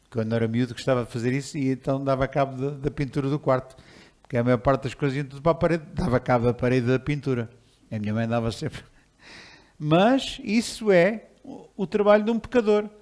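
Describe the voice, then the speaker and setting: A man preaching a sermon in a conversational, animated way, with restarts and chuckles. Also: mid-range voice. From Portugal. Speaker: pastor.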